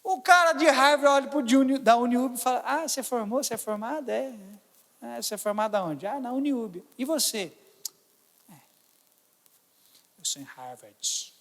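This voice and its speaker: A man with a Brazilian Portuguese accent preaching a sermon as pastor, swinging between loud exclamations and quiet asides. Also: very high-pitched, expressive, normal speed, pauses often, long reverb tail.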